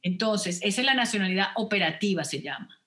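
A woman's voice: mid-range voice, expressive, fairly quick, bright, forceful tone. A woman, an immigration lawyer explaining the rules on a radio advice program, stopping often to check with "ok?". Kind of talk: radio call-in advice talk.

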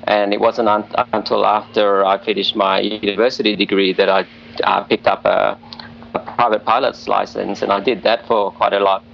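Man, gravelly flat voice, earnest and hesitant, airline pilot guest, dull remote audio with faint hiss. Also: fairly low pitch, moderate pace. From Australia. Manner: earnest, hesitant with frequent fillers. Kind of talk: conversational interview answers. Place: hotel room.

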